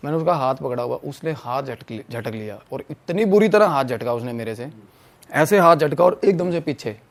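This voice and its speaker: A man from Punjab, telling a story as a podcast guest in an animated way, mixing in English phrases. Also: fairly high pitch. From Punjab, India. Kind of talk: casual storytelling.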